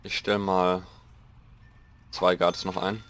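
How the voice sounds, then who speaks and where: A young man with a slightly hoarse voice, rambling casually through gameplay commentary and mocking himself as he goes. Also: low voice, level tone, slow, fairly bright tone. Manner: rambling, self-mocking, thinking aloud. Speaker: let's play host.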